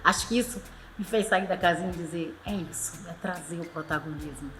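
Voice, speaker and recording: A woman's voice: lowish voice, fairly quick, a bit bright. A middle-aged woman, giving personal testimony as an actress in a documentary. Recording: music behind the voice.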